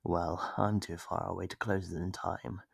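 A sadistic monster played by a man toys with its captive in an ASMR roleplay. The voice is very low and gravelly, recorded dry and close. It taunts slowly and politely, often sinking toward a whisper. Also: level tone, no room sound, exaggerated voice. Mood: mock surprise. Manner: slow, taunting, menacingly polite. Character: sadistic playful male monster toying with captive prey. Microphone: close, dry microphone.

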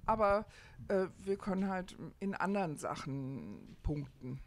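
A woman's voice: fairly low pitch, sing-song, measured pace, slight background noise. A middle-aged woman, talking conversationally as an interview guest and searching for her phrasing as she goes. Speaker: hotel owner, interview guest.

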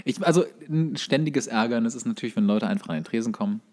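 Fast-talking young man with dry humour. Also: medium pitch, a little mellow. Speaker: podcast co-host. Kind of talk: casual banter.

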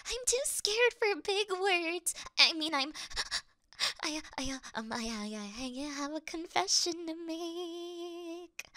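A woman's voice: extremely high pitch, pushed and bright, no room sound, studio quality, heavily acted. A woman voicing a clumsy, easily scared young female thief who acts tough in an ASMR roleplay, flustered, pouty and stammering.

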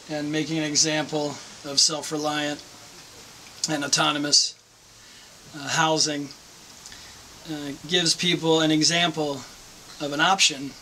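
A middle-aged man answering an interview calmly and evenly outdoors. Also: on the high side, slight background noise, poor audio. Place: outdoors by a bottle wall.

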